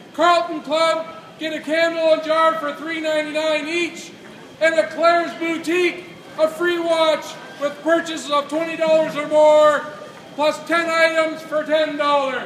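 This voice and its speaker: Over light background noise and audible room echo, a man speaks at a high pitch with monotone, flat intonation. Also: fairly slow pace. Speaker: town crier. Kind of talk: town crier mall announcement of store deals. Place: shop. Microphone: camera far.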